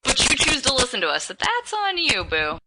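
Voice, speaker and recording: A woman co-hosting a podcast, chatting casually and rambling in quick bursts. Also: high voice, huge pitch swings, very noisy. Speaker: podcast co-host. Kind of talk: casual chat.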